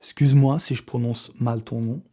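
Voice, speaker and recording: A man's voice: mid-range voice, steady tone, moderate pace, warm tone. A young man hosting a casual vlog giveaway, talking in slangy, chatty French with frequent swearing and laughs. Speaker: fitness youtuber running a giveaway draw. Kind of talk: casual vlog talk to camera.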